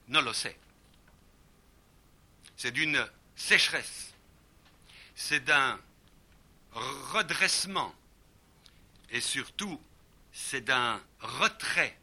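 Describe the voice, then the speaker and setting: A man from Brazil lecturing with a piercingly bright, cutting tone. His pitch leaps and falls all over the place as he acts out sounds and words. He pauses often between short phrases.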